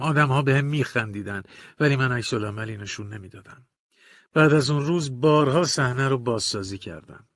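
A man narrating a first-person audiobook in a measured, confessional, colloquial manner, recorded close to a studio mic. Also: medium pitch, vocal fry, fairly bright tone, dry recording.

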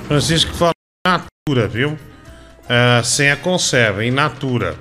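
A man's voice: medium pitch, lively intonation, a little slow, sharp tone, faint music behind. A man hosting a call-in comedy show, teasing and laughing as he cuts callers off. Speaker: radio comedy host.

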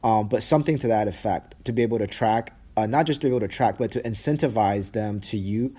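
A man interviewing guests at a conference, chatty and asking quick follow-up questions. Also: lowish voice, mellow, slightly rough. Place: conference venue.

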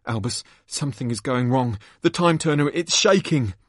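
A man's voice: mid-range voice, lively intonation, normal speed, no room sound, clean studio sound, pitched above the performer's own voice, close to an everyday voice. A man voicing a worried teenage boy in a story, speaking with nervous urgency.

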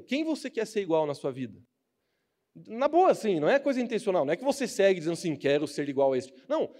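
A man's voice: sits high, dark tone. A young man with a Brazilian Portuguese accent giving a casual, joking youth sermon as a preacher, acting out the people he quotes.

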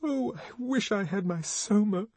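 A man voicing a pampered, fragile young woman, pleading in a high, breathy falsetto. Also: animated, slow pace, a little mellow, dry recording, full character voice. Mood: distraught.

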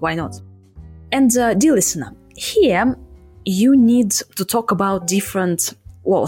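A woman's voice: medium pitch, slightly rough. A woman with a Russian accent hosting a conversational English lesson, playful and emphatic, explaining things in short phrases. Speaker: English teacher and podcast host.

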